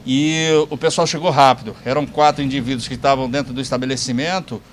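A man's voice: mid-range voice, fairly even intonation, fast. A man working as a news reporter, speaking informally and often seeking agreement. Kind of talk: live crime news report and interview. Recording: clear street ambience noise.

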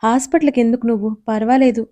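Woman reading a young man, teasing, caring, playful, reassuring, mellow higher voice, audio story. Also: steady tone, quick pace, close to an everyday voice.

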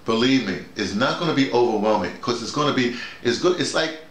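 A man's voice: medium pitch, expressive, fairly quick, a bit bright. A middle-aged man leading an informal discussion, making his points emphatically with repetition and acted-out examples. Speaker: audio drama workshop leader. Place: small bedroom with bare walls. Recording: roomy, echoey indoor sound.

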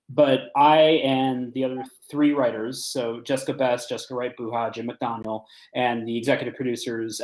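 Echoey video call, guy with average pitch talking off the cuff, lots of hesitating. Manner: halting, frequent hesitations and self-repairs. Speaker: panelist, podcast writer. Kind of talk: unscripted panel answer. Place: room at home, indoors.

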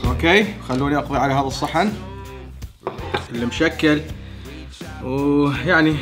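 A man's voice: a little high, moderate pace, music in the background. A man in his thirties with an Iraqi Arabic accent, hosting a food challenge and chatting between mouthfuls. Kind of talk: casual eating vlog. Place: small indoor home studio.

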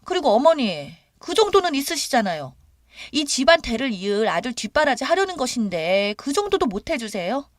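Woman doing a shrill, entitled young daughter-in-law, raised and pushy, audio drama. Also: no room sound, studio quality. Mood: demanding.

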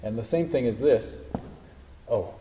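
A man's voice: mid-range voice, measured pace, warm tone. A man giving an informal university lecture with live demonstrations, correcting himself as he goes and joking dryly. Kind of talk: classroom lecture with live demos. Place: lecture hall. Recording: roomy lecture hall echo, faint hiss.

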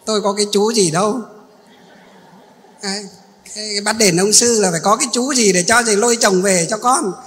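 A male Buddhist monk delivers a sermon in a high, bright voice. He poses questions to his listeners and then answers them himself. His voice carries a long reverb through a large hall. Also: a little fast, pauses often.

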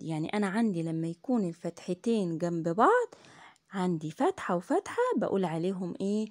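Lively Egyptian woman teaching young children. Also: fairly high pitch, no room sound, studio quality. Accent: Egyptian Arabic. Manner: repeats each point slowly and patiently; asks the class questions and praises answers. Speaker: primary school teacher. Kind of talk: classroom lesson for young children.

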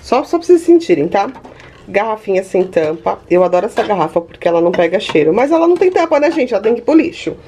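A chatty woman in her thirties with a Brazilian Portuguese accent, talking straight to her viewers in a casual home vlog. Her voice sits at an everyday middle pitch, recorded in a home kitchen with a faint hiss of room noise behind her. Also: very animated, fast talker, dark tone. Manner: chatty, addresses viewers directly. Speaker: vlogger.

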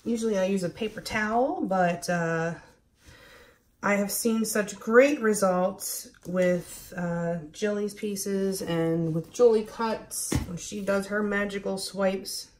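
Unhurried woman with a Baltimore accent. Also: medium pitch, a little mellow. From Baltimore, United States. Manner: hesitant, thinking aloud, self-deprecating. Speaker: host demonstrating acrylic pouring. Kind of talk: casual narrated craft demonstration.

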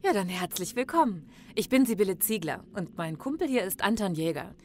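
An actress playing a cheerful, friendly holidaymaker in a crime audio drama, chummy and colloquial. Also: female voice, medium pitch, animated, fairly quick, a little mellow, lightly acted. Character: cheerful, friendly woman excited about her holiday. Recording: noticeable ambience behind the voice.

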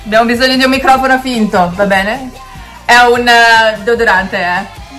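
A woman's voice: on the high side, normal speed, fairly bright tone. A young Italian woman reacting to a music video, gushing, stammering and singing along. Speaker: kpop reaction youtuber. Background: music playing.

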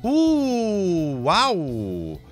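Man cursing explosively, wildly animated, over music. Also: high voice, very slow. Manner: explosive cursing outbursts in Italian; swears casually and exclaims loudly. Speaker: game streamer. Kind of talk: live video game commentary.

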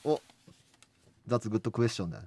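A man's voice: on the low side, expressive, slow, noisy background. A man and head coach reading out questions and teasing his players in a radio booth, blunt and eager. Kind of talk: casual chat, reading out questions.

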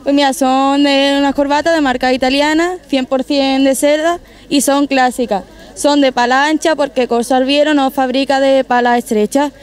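A woman's voice: sits high, fairly even intonation, moderate pace. A woman representing a stall explains her product confidently and informatively at an outdoor market. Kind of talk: sales explanation.

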